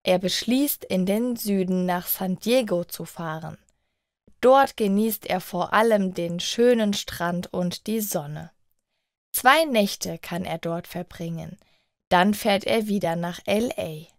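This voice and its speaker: A woman reading a scripted short story for language learners in a measured way, sentence by sentence. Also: on the low side, dry recording, clean studio sound. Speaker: narrator of short stories for German learners.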